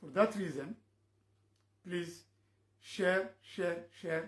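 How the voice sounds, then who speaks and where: A man with a non-native accent, a high-pitched voice, ordinary pitch variation and a very slow pace. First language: Somali. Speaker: traditional clan leader and political commentator. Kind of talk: political speech. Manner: emphatic, urgent.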